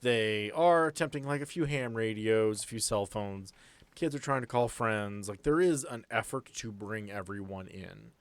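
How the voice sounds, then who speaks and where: The game master at the head of a basement table, a man talking low and close as he lays out the map. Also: moderate pace, clear, resonant tone, no echo. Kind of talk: improvised tabletop game narration.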